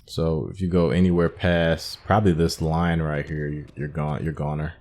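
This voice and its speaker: A man's voice: a bass voice, flat delivery, moderate pace, a little mellow. A man giving casual let's-play commentary on a video game, musing aloud as he talks through each step. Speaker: gaming streamer playing through a video game.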